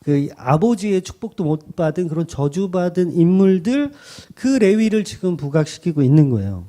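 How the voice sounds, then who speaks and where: A man's voice: high voice, very animated, normal speed, mellow. A man preaching as pastor in a conversational style, often starting sentences over. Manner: conversational preaching with many restarts and repeated "그러니까". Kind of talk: sermon.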